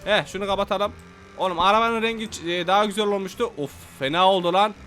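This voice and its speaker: High, bright-voiced excitable young man. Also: fast talker. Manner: rowdy, repeats himself, trash-talks. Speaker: gameplay commentator. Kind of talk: excited let's-play commentary.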